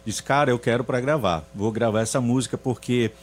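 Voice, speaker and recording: Man around 50, singer guest, reflective, hesitant restarts, mid-pitched voice. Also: brisk. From São Luís, Maranhão, Brazil. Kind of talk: radio interview.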